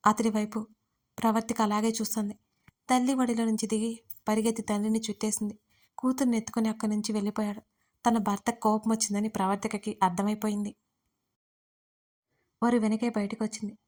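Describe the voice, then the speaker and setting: A woman reads a family story aloud in a gentle, steady storytelling voice. Her pitch sits in the middle of the range and barely rises or falls. The delivery stays calm and level throughout. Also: brisk, pauses often. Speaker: audiobook narrator. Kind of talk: scripted storytelling narration.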